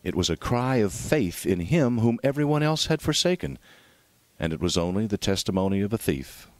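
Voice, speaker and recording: A man's voice: lowish voice, big pitch swings, normal speed, no echo. A man reading a devotional sermon aloud in a solemn, dramatic, oratorical manner. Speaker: reader of a devotional book.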